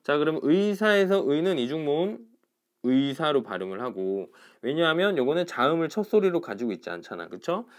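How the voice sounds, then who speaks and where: A man's voice: fairly high pitch, very animated, moderate pace. A man teaching pronunciation in an online class, explaining step by step and checking in with his students after each point. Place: indoors, recording alone for an online class.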